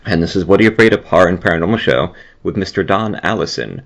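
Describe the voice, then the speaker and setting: A man with a deep voice and lively, swinging intonation hosts a podcast. He chats casually and muses as he goes. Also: quick pace, vocal fry, a little hiss or hum. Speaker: podcast host. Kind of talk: casual interview chat.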